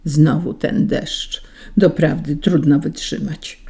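A hoarse, grumbling old gentleman with a cold, put on by a woman reading a storybook. He complains in a low, slow, muffled way. The tone is dark and mellow. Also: steady tone, heavily acted. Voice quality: hoarse, sneezing.

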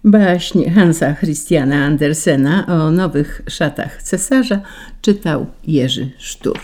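Low, mellow female radio presenter. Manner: calm, measured announcing. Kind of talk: scripted narration and reading.

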